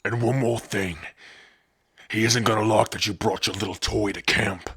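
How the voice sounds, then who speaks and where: A man voicing a surly, taunting orc gate guard with a raspy, sneering delivery in an ASMR roleplay. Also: on the low side, steady tone, moderate pace, fairly bright tone, heavily acted. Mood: curt, scornful. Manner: sneering, blunt.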